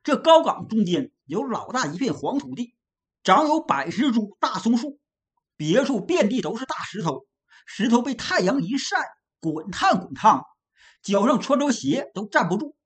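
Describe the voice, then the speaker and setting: A woman storyteller narrating a classic novel with a lively, expressive delivery. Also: fairly high pitch, normal speed.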